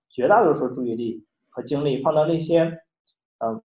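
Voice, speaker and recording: Speaking at a fairly quick pace, a man uses a fairly high pitch and lively intonation. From Northeast China (Daqing). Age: 30s. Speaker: online English teacher and content creator. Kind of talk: casual interview conversation.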